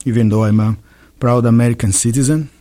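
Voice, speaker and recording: A man, a Catholic priest from Brazil with a Brazilian accent, telling his life story in an interview with many pauses and joking asides. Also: mid-range voice, steady tone, mellow. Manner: chatty, joking, frequent hesitations.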